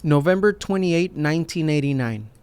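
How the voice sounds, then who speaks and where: A man's voice: on the high side, lively intonation, normal speed, darkish tone, clean tone, no echo, natural voice. A man voicing a citizenship applicant who gives short, plain, careful answers to an officer in a scripted practice dialogue.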